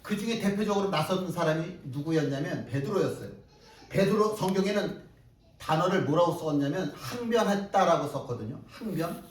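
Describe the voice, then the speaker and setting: A man's voice: fairly high pitch, lively intonation, fairly quick. A male pastor preaching a sermon with emphatic rhetorical questions and repeated phrases for stress. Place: church sanctuary. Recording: echoey hall, mic at a distance.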